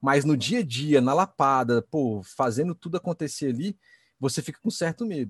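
Somewhat breathy male voice, fairly high-pitched, with lively intonation, a dry, close sound with no echo and a quiet background. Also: moderate pace. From Brazil, Minas Gerais. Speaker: Ayurveda therapist and podcaster. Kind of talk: casual interview. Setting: live stream on video platforms.

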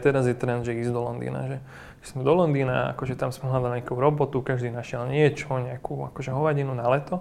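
Talking at a very fast pace in a monotone, flat intonation, a man of medium pitch with a Hungarian accent is heard over noticeable background noise. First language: Hungarian (speaking Slovak). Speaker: cultural organizer. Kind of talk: casual interview.

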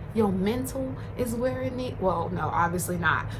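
The speech comes at a fairly slow pace. Noticeable background noise and audible room echo are present. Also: woman. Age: 20s. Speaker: vlogger. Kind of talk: casual monologue to camera. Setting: outdoors.

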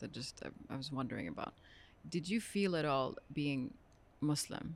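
Speaking at a moderate pace, a woman uses a very deep, low pitch with vocal fry. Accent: Arabic. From Saudi Arabia. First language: Arabic. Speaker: art curator and co-host. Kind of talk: casual chat. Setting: late-night podcast studio.

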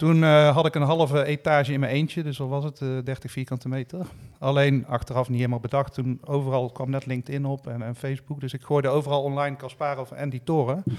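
At a very fast pace with hardly any pauses, a man speaks in a monotone, flat intonation. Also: fairly high pitch for a man. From Breda, Netherlands. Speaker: business owner. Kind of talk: interview. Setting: kitchen table at home.

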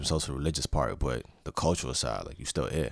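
Vocal fry marks this very fast speech on a very clean recording with a silent background. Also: man. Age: 20s. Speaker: podcast host. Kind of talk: casual chat. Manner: stammering, repeats words.

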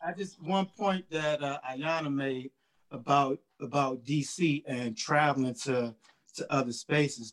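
A man with an American accent speaks fairly slowly in a plain, everyday voice, fairly high in pitch with ordinary variation. The sound is dry and close, with no echo. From Washington DC. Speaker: co-host, community organizer. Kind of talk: casual chat.

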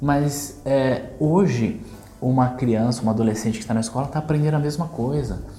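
Speaking at a fairly quick pace, a man is heard with noticeable background noise and audible room echo. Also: medium pitch for a man, ordinary pitch variation. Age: 30s. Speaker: finance podcast host. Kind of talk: solo podcast monologue. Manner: animated.

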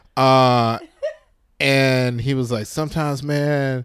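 A man with a Southern US accent speaks at a medium pitch, keeping his intonation fairly even. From US South, the Carolinas. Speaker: comedian. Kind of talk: casual chat. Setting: at home.

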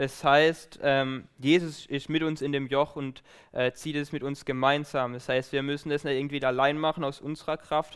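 With a Baden accent, a man speaks in a monotone, flat way at a fairly high pitch and a moderate pace. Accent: southern German (Baden). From Baden, southwest Germany. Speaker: lay preacher, student. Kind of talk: sermon. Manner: halting, many fillers.

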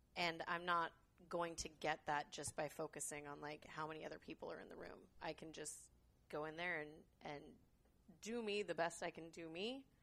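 A woman with an American accent speaks at a fairly low pitch in a bright, sharp tone. Her speech has long, frequent pauses. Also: ordinary pitch variation, moderate pace. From San Francisco Bay Area, California. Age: 30s. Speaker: actress and singer. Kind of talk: casual interview chat.

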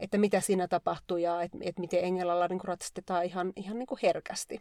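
At a very fast pace, a woman speaks in a flat monotone at a medium pitch, with a dry, close sound, no echo, and a very clean recording with a silent background. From Finland, Kuopio. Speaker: horse rider. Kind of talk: casual interview.

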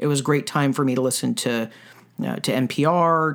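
A man talks in an ordinary speaking voice, fairly high in pitch with ordinary pitch variation. The recording is very clean, the background silent. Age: 40s. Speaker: podcast host and diabetes coach. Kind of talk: casual solo podcast monologue. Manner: conversational, with filler words.

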